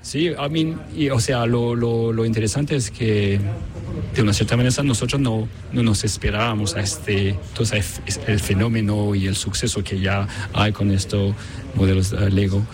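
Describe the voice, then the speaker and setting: A man with a fairly low voice answers a reporter's questions at a busy event, pausing often and restarting his sentences. He is from Chile and works as a product designer. A crowd chatters clearly behind him. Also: steady tone. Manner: hesitant, many fillers and restarts. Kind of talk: interview answers.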